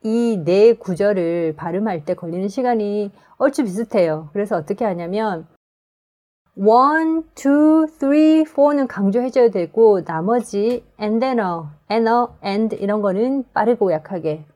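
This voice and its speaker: A woman's voice: expressive, measured pace, few pauses. Korean woman teaching English pronunciation. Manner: explains step by step, stresses key words higher and louder. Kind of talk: online language lesson.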